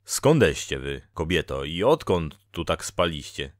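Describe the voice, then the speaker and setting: A man voicing Maciej, a poor, lazy peasant in a folk tale, speaking gruffly and demandingly. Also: very deep voice, very animated, measured pace, no echo, studio quality, heavily acted. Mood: puzzled.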